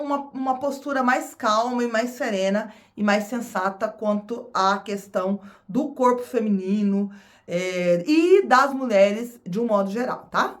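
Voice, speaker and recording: A woman from Brazil with a Brazilian Portuguese accent, chatting casually to her viewers as a vlogger, often repeating her phrases. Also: fairly high pitch. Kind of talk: casual chat to camera.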